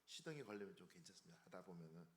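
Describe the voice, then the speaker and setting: A man, giving an informal health seminar in a halting way with restarts and stumbles. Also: sits low, expressive, a little hiss or hum. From Korea, later raised in the United States. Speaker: seminar speaker, health researcher. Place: indoor seminar room. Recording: roomy, echoey seminar room.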